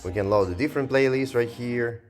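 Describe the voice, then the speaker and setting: A man giving a casual, rambling software review in an informal way, thinking aloud with lots of filler phrases. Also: medium pitch, a little fast, faint music behind. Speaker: tech reviewer.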